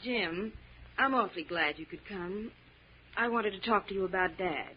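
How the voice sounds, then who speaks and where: A woman's voice: mid-range voice, moderate pace, natural voice. An actress playing an earnest, anxious but stubborn young woman in an old-time radio drama. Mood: earnest, worried. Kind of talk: 1940s-50s radio drama acting. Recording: muffled, hissy old radio broadcast.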